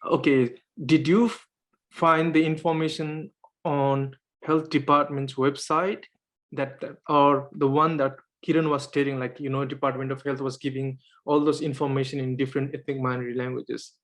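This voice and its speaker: A man moderates a panel over a video call, his voice at a middling pitch. His first language is Nepali, and he talks hesitantly, with lots of fillers and restarts. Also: flat delivery, normal speed.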